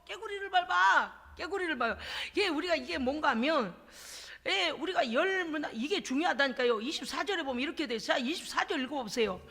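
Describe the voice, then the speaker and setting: Woman pastor, high bright voice, animated folksy preaching, echoey church hall. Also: fast talker. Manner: animated, exclamatory preaching with frequent laughs; folksy, conversational asides to the congregation. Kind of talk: sermon. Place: church service.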